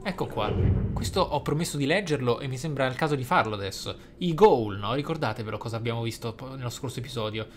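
A man's voice: medium pitch, lively intonation, quick pace. A man hosting a role-play gaming video, commenting and reading in a reflective, explanatory manner. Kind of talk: role-play game commentary, some reading aloud of in-game text. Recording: faint noise and game ambience.

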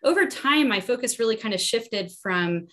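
A woman's voice: fairly high pitch, lively intonation, moderate pace, fairly bright tone. A woman in her forties from New Jersey with an American accent, giving an explanatory panel answer on a video call. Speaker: panelist, environmental scientist. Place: bedroom at home, indoors. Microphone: laptop video call.

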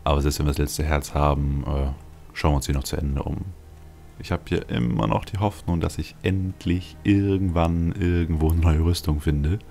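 A man's voice: rumbling low, steady tone, moderate pace, creaky, warm tone. A man hosting a let's play with casual game commentary, thinking aloud with wry, dry asides. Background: game music.

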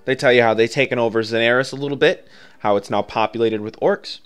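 Clear-voiced man narrating a game walkthrough. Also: medium pitch, steady tone, quick pace, a bit bright, faint music behind. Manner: informal, offhand, conversational. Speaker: video game guide creator.

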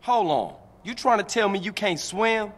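A skeptical young street guy in a game: sarcastic drawl, slow, with a lot of pitch swing. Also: animated. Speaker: game protagonist.

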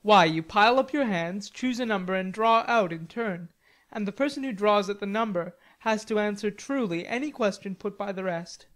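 A woman voicing a playful, teasing, lively teenage boy in an audiobook. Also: medium pitch, moderate pace, lightly acted. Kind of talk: audiobook character dialogue.

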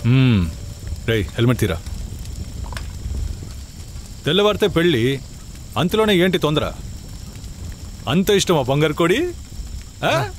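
An actor playing a domineering forest tribal chief who mocks and commands others, in film dialogue. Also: male voice, a little high, sing-song, unhurried, long pauses, background noise. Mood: mocking. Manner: mocking laughter, commanding orders. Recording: film soundtrack with music underneath.

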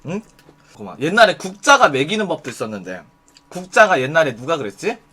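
A bright, high-pitched man talks casually on a live stream and gives blunt advice. He swears freely and keeps acting out the lines he suggests, so his pitch jumps around all the time. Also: big pitch swings, brisk, husky.

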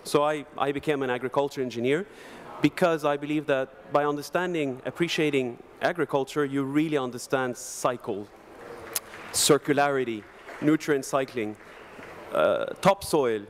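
A man's voice: medium pitch, moderate pace, slight background noise. A man in his forties from Denmark speaking on a conference panel, telling his career story in a reflective, gesturing way into a desk microphone on a hall stage. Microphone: desk microphone on a stand.

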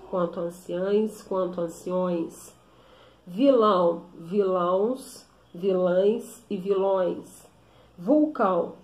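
Woman teacher, slow explanatory lesson, keeps checking in, echoey room. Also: mid-range voice, a little mellow. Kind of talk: recorded classroom lesson.

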